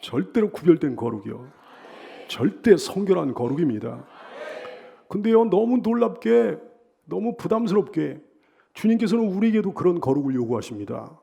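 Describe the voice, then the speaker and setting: Gravelly high-pitched male preacher. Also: lively intonation, normal speed, mellow. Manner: preaching with rising emphatic bursts; repeats and restates phrases. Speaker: pastor. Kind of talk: sermon.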